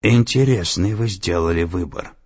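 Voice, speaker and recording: A man's voice: low-pitched, moderate pace, husky. A man voicing a cold, domineering female security director, with an icy, commanding and menacing manner. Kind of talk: audiobook character voice.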